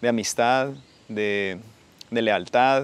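The audio is dry, without any echo. A man talks at a fairly slow pace. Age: 30s. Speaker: capoeira practitioner. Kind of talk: interview testimony. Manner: halting. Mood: warm, reflective. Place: garden.

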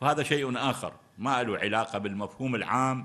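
The man's tone is bright and sharp. He keeps to a moderate pace. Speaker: lecturer on manuscript editing. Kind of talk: lecture. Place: hall. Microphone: podium.

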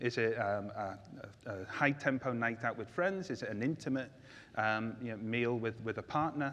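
A man with a British accent, at a fairly quick pace. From England. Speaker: market research executive. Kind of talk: conference presentation. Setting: stage with audience. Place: stage. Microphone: lapel.

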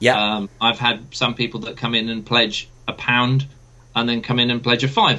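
The intonation of this man's voice is fairly even. He keeps to a moderate pace. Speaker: documentary filmmaker; guest. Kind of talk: casual chat. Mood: earnest, emotional. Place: home room. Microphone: video call.

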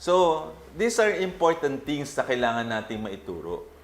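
A man speaks at a fairly slow pace with vocal fry. His pitch makes very wide swings. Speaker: physician and health advocate. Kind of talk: health talk show monologue. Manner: polite, conversational.

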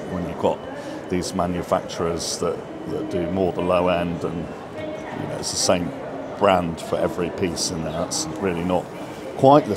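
Noticeable background noise sits under a man who talks at a fairly slow pace. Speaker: gym enthusiast vlogger. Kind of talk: casual vlog chat. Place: station.

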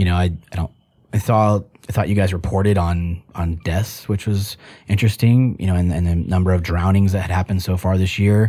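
A man's very deep, low voice, dark and mellow in tone, at a fairly quick pace with monotone, flat intonation. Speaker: podcast host. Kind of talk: casual podcast interview. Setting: studio.

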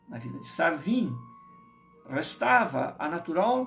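Over music in the background, a man talks at a very slow pace with very wide pitch swings. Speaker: reader of a spiritual text. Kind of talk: reading aloud with commentary. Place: home room. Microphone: webcam.

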